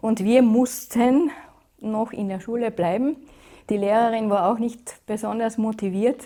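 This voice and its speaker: A woman's dark, mellow tone at a fairly slow pace, with fairly even intonation. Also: fairly high pitch for a woman. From Rosental near Ferlach, Carinthia, Austria. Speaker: interviewee. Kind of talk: interview.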